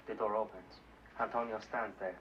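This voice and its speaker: A man's voice: on the low side, steady tone, normal speed, background noise, natural voice. An actor playing a man who reads out screenplay stage directions in clipped, matter-of-fact phrases, in muffled film audio. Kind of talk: scripted reading of stage directions.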